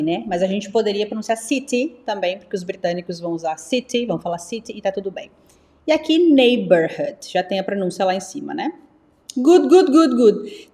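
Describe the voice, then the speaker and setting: A young woman from teaching English live, lively and repeating words slowly for her students. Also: on the high side, echoey room. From Brazil. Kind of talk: live online English lesson.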